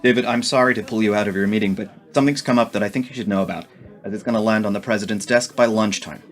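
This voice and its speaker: An actor playing a hawkish male White House staffer in a radio play, brisk and businesslike. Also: on the low side, natural voice. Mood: urgent, businesslike.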